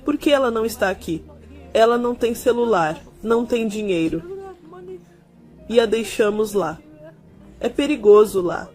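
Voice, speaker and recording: A woman's voice: fairly high pitch, animated, moderate pace, long pauses, darkish tone, soft background music. A mother giving an earnest religious testimony of a vision, often repeating her words. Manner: earnest, repetitive retelling.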